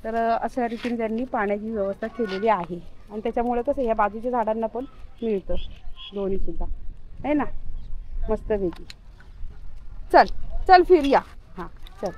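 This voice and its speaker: A woman's voice: a little high, fairly quick, warm tone, muffled recording, slight background noise. Chatty woman walking her dog outdoors. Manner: chatty, with many fillers. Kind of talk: casual vlog chat. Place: outdoors in an open hillside ground.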